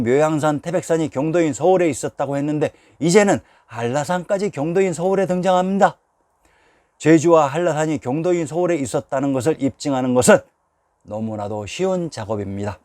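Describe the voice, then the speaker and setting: A man narrating a scripted history lecture at a measured pace, putting rhetorical questions to the viewers. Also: on the high side, a little mellow, no room sound, studio quality.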